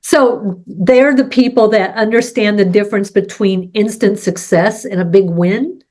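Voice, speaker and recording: Co-hosting a casual business chat while fighting a head cold, a middle-aged woman explains her points through sports and farming examples and keeps checking in with "right?". Her voice is mid-range and a little mellow, and she talks somewhat slowly.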